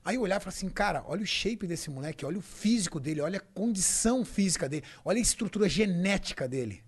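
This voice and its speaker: A middle-aged man from Brazil with a somewhat high voice, talking emphatically as an interview guest. He recounts his training life and acts out the conversations he quotes. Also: animated, racing, husky. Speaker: bodybuilding champion guest. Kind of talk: podcast interview storytelling.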